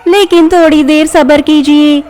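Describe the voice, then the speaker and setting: A woman's voice: steady tone, a little slow, a little mellow. A woman voicing a cackling skeleton who serves a sorceress in a storybook. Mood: teasing. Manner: shrill, cackling, taunting. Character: cackling skeleton servant of a witch.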